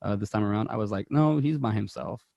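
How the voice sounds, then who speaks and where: A man's voice: on the low side, fast talker, vocal fry, dark tone, dry recording, highs cut off. A man co-hosting a movie podcast, chatting casually with lots of restarts and laughter. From Mexican heritage. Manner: rambling, laughing, stumbling restarts. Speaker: podcast co-host. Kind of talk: casual chat about movies.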